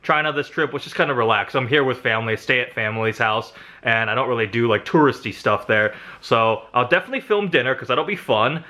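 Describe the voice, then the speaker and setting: With a medium-pitched, sharp-toned voice, this young American car vlogger speaks briskly and expressively. He narrates a casual car-spotting vlog while walking outdoors on city streets and through shops, chatty and pointing things out. There's no echo on his handheld camera mic.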